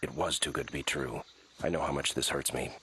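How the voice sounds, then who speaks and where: A man voicing a stoic cartoon pig detective with a deadpan, formal delivery and an Ozark twang. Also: extremely low pitch, brisk, very noisy. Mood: wistful. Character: stoic male pig detective, dry and wistful. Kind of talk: animated comedy acting. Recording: music behind the voice.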